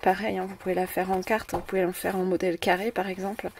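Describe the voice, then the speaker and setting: A woman's voice: fairly low pitch, flat delivery, quick pace. A woman with a French accent hosting a scrapbooking video, talking in a hesitant way with many fillers and repeated words. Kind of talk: casual show-and-tell of a craft haul. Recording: distant mic with faint noise.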